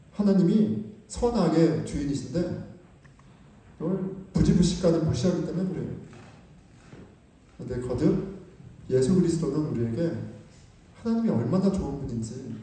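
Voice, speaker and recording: A man's voice: a little high, warm tone. A male pastor preaching a sermon in a church sanctuary, talking conversationally and asking the congregation rhetorical questions. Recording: echoey church hall, distant mic.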